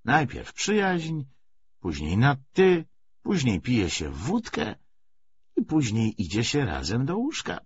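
A man's voice: mid-range voice, wildly swooping pitch, slow pace, husky, muffled recording, exaggerated voice. A man voicing a world-weary, resigned woman in a wartime audiobook. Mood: weary resignation.

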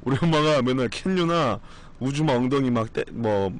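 A male streamer talks loosely with his viewers in a strained voice that is still recovering. His pitch swings about in a lively way as he rambles, bluntly and with the odd curse. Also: moderate pace. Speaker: live streamer. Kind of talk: casual live-stream chat.

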